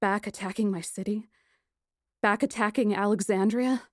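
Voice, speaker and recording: A woman voicing a defiant, sarcastic, highly strung female engineer in an audiobook. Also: moderate pace, dry recording, studio quality, close to an everyday voice. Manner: sarcastic, defiant, flat retorts. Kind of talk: audiobook character acting.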